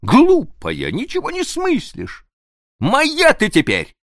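A man's voice: very high-pitched, huge pitch swings, takes it slowly, a bit bright, no echo, clean studio sound, voice pushed up, exaggerated voice. A man reading an audiobook, voicing an eager young officer who teases his sweetheart. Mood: excited. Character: young dashing male officer, eager and teasing.

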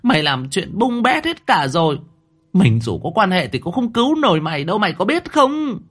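A man's voice: mid-range voice, lively intonation, brisk, husky. Man putting on a shrieking angry mother. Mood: furious. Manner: screeching, threatening, scolding. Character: furious shrill middle-aged mother, bossy landlady.

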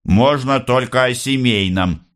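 A man voicing an indifferent prison guard who talks in a flat, grumbling way. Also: medium pitch, a little slow, voice pushed up, natural voice.

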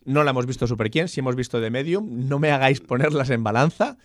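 A man from Catalonia co-hosting a casual chat about new film releases, relaxed and joking as he retells plots. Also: medium pitch, fast, no room sound. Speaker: podcast co-host.

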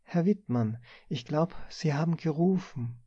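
An unflappable office clerk talks in an unhurried, mildly amused, folksy way, as a male reader puts him on. The voice sits a touch above the reader's own and stays calm. The recording is dry and slightly muffled. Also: fairly high pitch, no echo, pitched above the performer's own voice. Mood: calm, innocent. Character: placid, easygoing middle-aged male office clerk.

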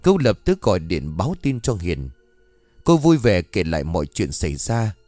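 A man narrating a story in an expressive way. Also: deep voice, normal speed, no room sound, faint music behind.

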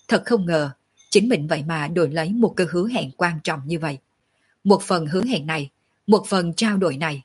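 A woman hosting an audiobook channel, reading a serialized novel aloud with steady narration. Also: lowish voice, breathy edge.

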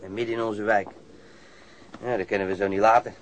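A man's voice: fairly low pitch, level tone, brisk, slight background noise, natural voice, poor audio. Actor as griping, lazy patrol policeman. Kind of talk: Dutch radio drama acting.

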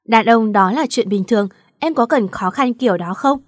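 A woman's voice: a little high, moderate pace, no echo, clean studio sound, close to an everyday voice. A woman voicing a cold, curt young husband who is also a boss, in a read-aloud story. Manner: curt and dismissive.

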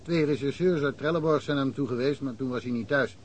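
An actor playing a chatty rural police chief in a radio play, rambling through anecdotes. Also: male voice, medium pitch, fast, husky, close to an everyday voice. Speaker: village policeman. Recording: old radio play with faint hiss.

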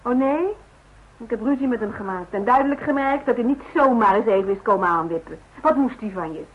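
Radio drama daughter: husky, stern, challenging, worried for her father, on a dull old recording. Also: a little high, a little fast. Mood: suspicious, probing. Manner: blunt, probing, challenging. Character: protective, stern grown daughter, sharp-tongued and worried. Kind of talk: Dutch radio play acting.

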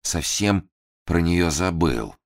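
A man's voice: low-pitched, expressive, takes it slowly. A man voicing a grandiose, mad theatre assistant who declaims in a pompous, menacing way in an audiobook. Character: grandiose madman stage assistant with pistol.

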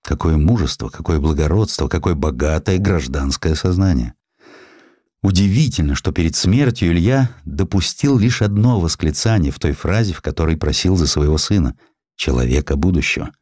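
A man with a very low voice narrates literary prose as a dramatic audiobook. The recording is close and dry, with no room sound around the words. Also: lively intonation, moderate pace, darkish tone, dry recording.

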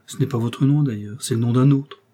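A man doing a smooth, scheming seducer in an audiobook, pouring out melancholy declarations in a warm, husky voice. He sounds pleading and impassioned, pushing his lines a little higher and louder than a plain reading. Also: a little fast, lightly acted. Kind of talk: audiobook character voice.

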